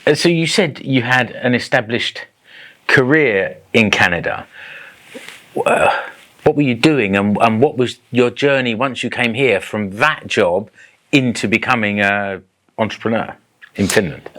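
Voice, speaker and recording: A man's voice: medium pitch, a little slow, a bit bright. A man hosting a podcast interview, introducing his guest and asking questions in a friendly, conversational way. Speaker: podcast host.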